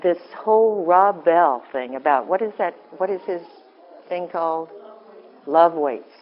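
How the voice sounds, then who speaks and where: A woman with a deep voice giving an informal, earnest talk to a women's group, often breaking off and restarting. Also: highs cut off. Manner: rambling, self-interrupting, earnest. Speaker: women's ministry speaker.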